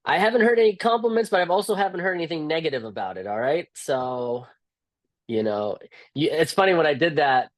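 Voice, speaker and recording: A man's voice: a little high, animated, brisk, no room sound. A man chatting casually as an interviewer, with an informal, easygoing, slangy way of talking. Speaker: interviewer and audiobook narrator.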